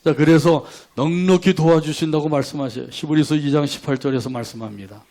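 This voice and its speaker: A male pastor delivers a sermon with a fairly high voice, posing rhetorical questions. He breaks up scripture into short lines for the congregation to repeat back, and he acts out the prayers he quotes. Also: a little fast, darkish tone. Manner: leads congregation in call-and-response verse reading.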